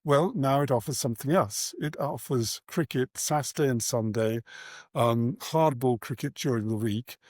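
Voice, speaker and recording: A middle-aged man giving reflective interview answers in an earnest, articulate, measured way, pausing as he goes. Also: mid-range voice, darkish tone, dry recording, clean studio sound. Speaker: interview guest, charity founder and cricket coach.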